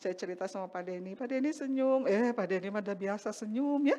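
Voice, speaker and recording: A woman's voice: medium pitch, brisk, dull audio. A middle-aged woman preaching a sermon in church, telling a personal testimony and acting out the voices in her story. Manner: animated storytelling, acts out dialogue.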